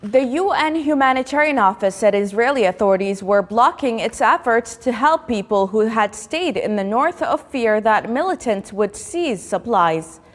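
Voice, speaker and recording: A woman's voice: fairly high pitch, big-room sound. A woman news presenter reading a formal, scripted news bulletin.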